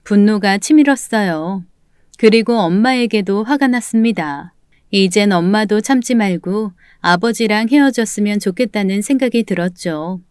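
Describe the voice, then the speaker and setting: A woman's voice: medium pitch, normal speed, a little mellow, smooth, dry recording, clean studio sound. A woman narrating a scripted family drama in first person, with emotional, indignant delivery. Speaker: narrator and lead voice actor. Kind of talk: scripted story narration with acted dialogue.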